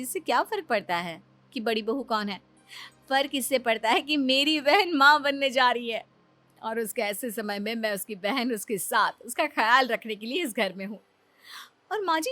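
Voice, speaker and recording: A sensible young daughter-in-law, voiced by a woman in a cartoon, calm and reasoning, firm without raising her voice. The tone is bright and a little high, with faint music behind. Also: moderate pace, no room sound. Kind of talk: Hindi cartoon voice acting.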